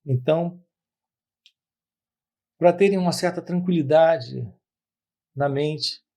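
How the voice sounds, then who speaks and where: Gravelly-voiced spiritual teacher. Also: male voice, fairly high pitch, mellow. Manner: measured, repetitive phrasing with pauses. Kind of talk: spiritual talk to camera.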